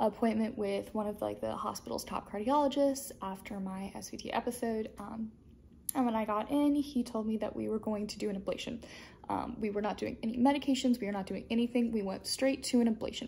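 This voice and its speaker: With a dark, mellow tone and a somewhat breathy quality, the voice moves at a fairly quick pace and fairly even intonation over light background noise. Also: woman. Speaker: vlogger. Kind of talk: casual vlog chat. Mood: calm, explanatory. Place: home room. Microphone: phone near.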